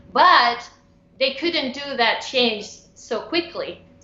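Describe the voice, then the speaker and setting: In an Italian accent, a woman speaks at a fairly slow pace. The recording has audible room echo and noticeable background noise. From northeast Italy, near Venice. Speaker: classical guitarist and teacher. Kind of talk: interview.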